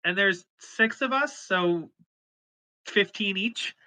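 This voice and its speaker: A woman chatting casually and loudly as a player in a tabletop game, with a playful manner. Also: medium pitch, slow, rough recording. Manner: loud, playful.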